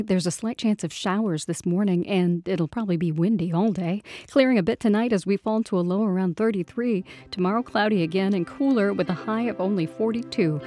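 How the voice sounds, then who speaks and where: A woman anchoring local radio news, reading scripted stories in a measured, factual delivery. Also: mid-range voice, darkish tone.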